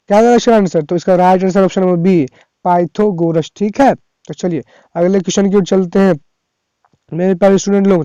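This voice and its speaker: A male teacher with a high, smooth voice runs a chatty exam revision session. He repeats each question and its options, then coaxes his students to answer. The tone is mellow and the recording is dry and close. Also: dry recording. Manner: reads each question twice, then prompts students to comment; chatty, coaxing. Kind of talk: exam revision lesson, reading quiz questions aloud.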